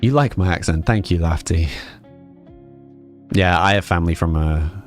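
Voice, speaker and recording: A man's voice: low-pitched, moderate pace, faint music behind. A young man with an English accent mixing northern and southern sounds, chatting casually with his stream viewers and reading their messages aloud. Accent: English, mixed northern and southern. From England, with family in Scotland. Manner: relaxed, rambling, answers chat aloud.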